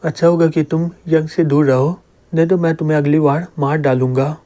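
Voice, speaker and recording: A man's voice: fairly high pitch, fairly even intonation, brisk, natural voice. A man voicing an arrogant, hot-headed young male fighter who threatens his rivals. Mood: threatening. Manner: threatening, shouting.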